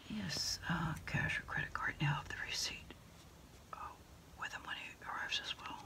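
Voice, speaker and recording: A middle-aged woman doing a soft, unhurried ASMR roleplay as a takeout order taker on the phone, hesitating and trailing off often. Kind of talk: whispered ASMR roleplay, one-sided phone conversation.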